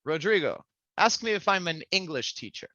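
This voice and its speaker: A man from Mexico hosting a spoken English class as a language trainer, giving deliberate, instructive prompts. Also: fairly high pitch, lively intonation, pushed and bright, no room sound, lo-fi sound. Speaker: language trainer, podcast host.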